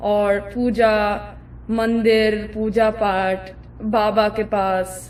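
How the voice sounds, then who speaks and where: A woman talks with a fairly high pitch. Some room echo can be heard. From USA, Indian Brahmin family. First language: not Hindi (Hindi is third language) (speaking Hindi). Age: 20s. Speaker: convert giving testimony. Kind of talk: testimony. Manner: halting, many fillers.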